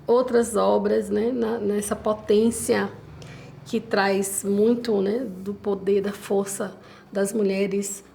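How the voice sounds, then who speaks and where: A woman's voice: mid-range voice, level tone, slow, gravelly, warm tone, slight background noise. A woman writer from Bahia, answering interview questions in an earnest, reflective way. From Bahia, Brazil. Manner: earnest, reflective, often seeks agreement. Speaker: independent writer.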